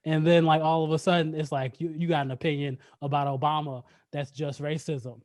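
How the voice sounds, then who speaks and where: A man's voice: on the high side, little pitch movement, fairly quick, a little mellow. A man co-hosting a podcast in casual banter, rambling with lots of "like" and laughing between jokes. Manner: rambling, laughs often, says "like" and "big dog". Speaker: podcast co-host.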